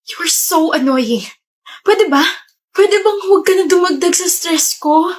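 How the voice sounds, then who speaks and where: A young woman acting a short-tempered student who snaps and shouts at a friend in a comedy skit. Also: sits high, sing-song, unhurried. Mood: irritated shouting. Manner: snapping, shouting, impatient.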